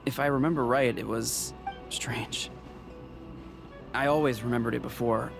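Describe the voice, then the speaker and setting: A man's voice: mid-range voice, fairly even intonation, moderate pace, vocal fry, natural voice. An actor playing a forgetful, flustered village porter and father in a video game, speaking in a hesitant, puzzled way. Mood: confused, troubled. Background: game music.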